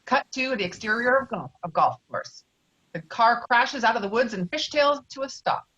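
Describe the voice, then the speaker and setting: A woman's voice: fairly high pitch, animated, moderate pace, pushed and bright, dull audio. A woman reading out stage directions as scripted narration of a screenplay.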